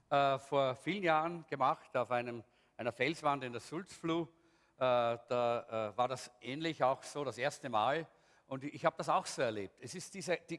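A man's voice: medium pitch, a bit bright. A man leading a group, speaking reflectively with frequent hesitations. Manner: reflective, with many fillers. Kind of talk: addressing a group. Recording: echoey hall.

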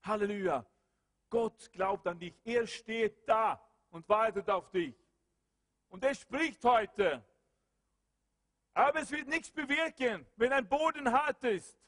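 High-pitched impassioned male preacher. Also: slow pace. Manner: impassioned, swings between loud calls and low murmurs. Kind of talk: sermon with prayer. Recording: long hall reverb.

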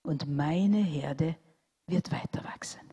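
A woman voicing God as a calm shepherd, speaking softly, slowly and in a hush. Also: low voice, slightly rough, heavily acted. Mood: gentle. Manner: soft, slow and hushed. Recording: long hall reverb.

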